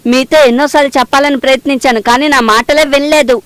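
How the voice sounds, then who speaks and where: A woman's voice: sits high, fairly even intonation, quick pace, no echo, natural voice. A woman voicing an earnest young goatherd boy in a cartoon dub. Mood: explaining. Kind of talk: Telugu cartoon dubbing.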